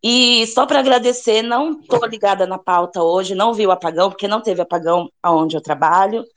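A woman's voice: mid-range voice, a little fast. A woman calling in to a live talk show, nervous and gushing, with nervous laughter between her words. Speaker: caller. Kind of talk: casual call-in chat.

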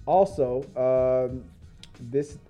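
A man in his forties hosting a casual podcast chat, talking haltingly with lots of fillers and restarts. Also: medium pitch, dark tone, soft background music. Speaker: podcast host.

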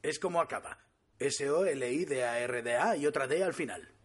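A man acting a stressed, blunt, foul-mouthed young slacker in a Spanish comedy dub, with a husky voice and Castilian accent. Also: mid-range voice, moderate pace, natural voice. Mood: skeptical. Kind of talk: comedy film dubbing.

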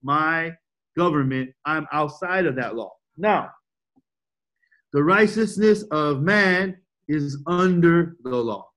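Man, high-pitched, preaching a sermon, emphatic, questions to the congregation. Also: animated, slow pace, a bit bright. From United States. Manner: emphatic, repeats points, asks the audience questions. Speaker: pastor.

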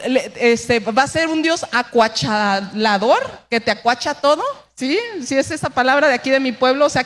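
A woman pastor preaching a lively sermon, asking the congregation questions and acting out the voices she quotes. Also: sits high.

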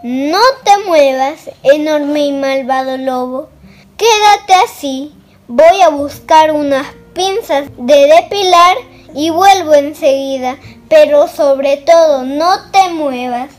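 Man doing a sly little white storybook rabbit, coaxing, bossy, high voice, slow. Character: clever little white male rabbit, fussy and helpful.

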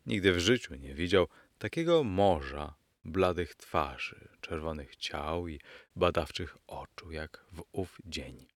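A man narrating a story aloud in a scripted storytelling style, addressing his listeners as gentlemen. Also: low-pitched, expressive, slow, no echo. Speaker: audiobook narrator.

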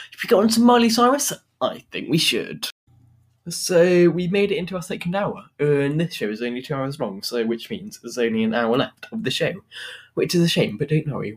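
British male music radio host, informal and upbeat, slightly husky mid-pitched voice, speaks directly to listeners. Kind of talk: upbeat music radio presenting between songs.

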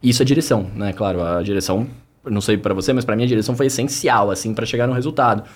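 A man, a voice actor guest in a casual chat, telling stories quickly in slang and with enthusiasm. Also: lowish voice.

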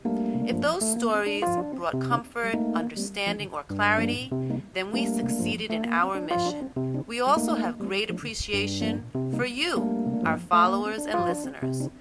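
A woman hosting a podcast, reading a scripted introduction in a grateful, deliberate way. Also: mid-range voice, poor audio. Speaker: podcast host. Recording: voice over loud music.

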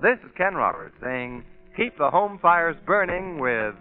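A man's voice: a little high, expressive, a little slow. A man announcing on vintage radio in a polished, emphatic, scripted style. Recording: tinny vintage radio, faint music.

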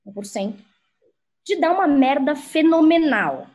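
A woman's voice: high-pitched, lively intonation, a little slow, darkish tone. A woman telling a personal story frankly and with animation in a casual conversation, swearing freely. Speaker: guest.

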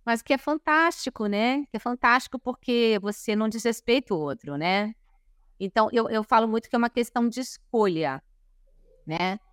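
A woman's voice: a little high, normal speed, clean tone, dry recording, studio quality. A woman hosting a podcast interview, chatty and affirming, often nodding along with short agreements. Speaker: podcast host. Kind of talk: casual interview.

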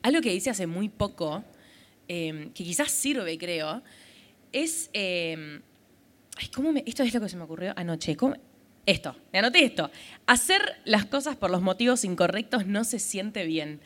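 Bright-voiced Argentine woman podcaster. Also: mid-range voice, lively intonation, moderate pace. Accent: Rioplatense Spanish. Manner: rambling, full of fillers like tipo. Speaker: podcast host. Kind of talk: live podcast chat on stage. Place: festival stage before a live audience.

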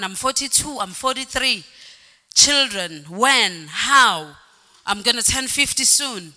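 A woman's voice: fairly high pitch, pushed and bright. A woman preaching a sermon in a church hall, stressing points by repeating words and calling out "Amen". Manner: sings some phrases, varies pace. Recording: reverberant hall with faint music.

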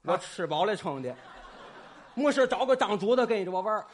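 A man's voice: sits high, animated, a little fast. A man playing the sidekick in a stage crosstalk act, playfully obtuse and always twisting his partner's words.

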